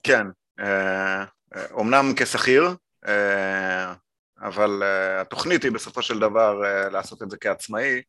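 A man's voice: on the low side, pushed and bright, clear, resonant tone. A man in his forties with an Israeli accent, explaining things casually as a podcast guest, with frequent hesitations. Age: 40s. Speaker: podcast guest, marketing consultant.

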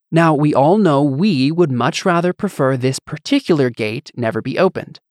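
A man's voice: mid-range voice, darkish tone, dry recording, clean studio sound, natural voice. A man voicing a sultry, scheming goddess in an audiobook, with a coaxing, condescending, theatrical manner. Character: sultry, scheming, languid goddess, vain wife. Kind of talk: audiobook character acting.

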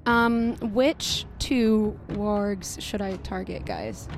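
A woman's voice: medium pitch, very animated, very slow. A woman takes part in a tabletop game as a player. She laughs a lot and keeps asking questions, and faint music plays in the background. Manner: giggly and uncertain, asks many questions. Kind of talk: casual tabletop game play.

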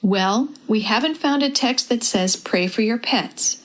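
A woman voicing a jolly, steady father of two, calm and thoughtful in tone. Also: a little high, unhurried, natural voice.

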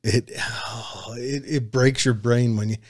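A man's voice: medium pitch, fairly even intonation, takes it slowly. A man with an Appalachian hillbilly accent chatting casually as a talk show co-host, folksy, rambling and self-deprecating. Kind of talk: casual chat, reading out listener comments.

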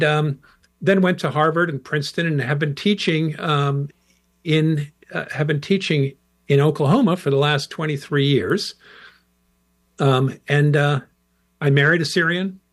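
A middle-aged American man, a professor and interview guest, answering in a relaxed, rambling way with fillers. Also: medium pitch. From United States.

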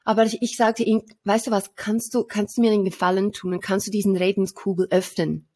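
A woman visualization coach co-hosting a casual weekly talk, telling a client story with pauses and restarts. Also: mid-range voice, level tone, dark tone, dry recording. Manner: thoughtful, many fillers and restarts. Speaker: visualization coach, podcast co-host. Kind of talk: casual chat.

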